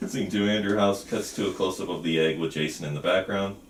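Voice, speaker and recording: At a table read in a roomy space, a man reads screenplay stage directions aloud in a low voice at a moderate pace. The mic is distant, picking up roomy sound and faint room noise.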